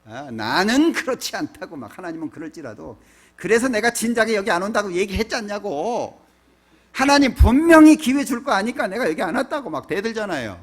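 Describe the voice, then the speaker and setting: A man's voice: a little high, sing-song, a little fast, hardly any pauses, fairly bright tone, husky, full character voice. A man voicing a grown male prophet who complains and argues back in indignant protest, as a quoted figure inside a sermon. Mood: defiant.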